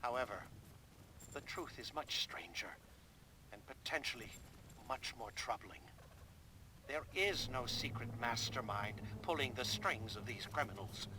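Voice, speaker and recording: An actor playing a grave, cerebral scientist with formal, precise delivery in a video game cutscene. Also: male voice, on the high side, rough recording. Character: cerebral, grave male scientist explaining a threat. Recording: clear noise behind the voice.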